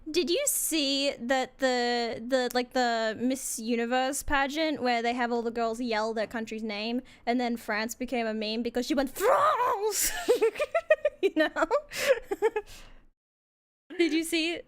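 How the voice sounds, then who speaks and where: A woman's voice: fairly high pitch, lively intonation, slow pace, smooth, no echo. A woman with an Australian accent, a streamer chatting casually and playfully with a co-host, often breaking into giggles. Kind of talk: casual chat.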